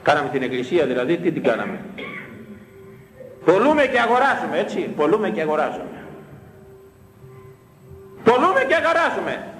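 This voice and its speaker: Fiery priest preaching in an echoey church. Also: male voice, medium pitch. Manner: impassioned, repeats phrases with rising emphasis. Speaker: parish priest. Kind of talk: fiery sermon.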